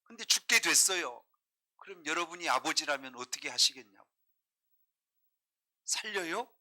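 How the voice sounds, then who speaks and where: A man preaches a sermon with a very bright, piercing edge to his voice, set a little high for a man. He keeps asking the congregation questions and swings between hushed asides and loud, driving emphasis. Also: expressive, normal speed. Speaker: pastor.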